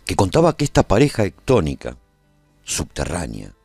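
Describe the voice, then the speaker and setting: An actor playing a battle-weary, lovelorn leader of war wolves, narrating a radio serial in a solemn, dramatic first person. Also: male voice, low-pitched, huge pitch swings, moderate pace, gravelly, darkish tone, slightly rough, dry recording, soft background music, heavily acted.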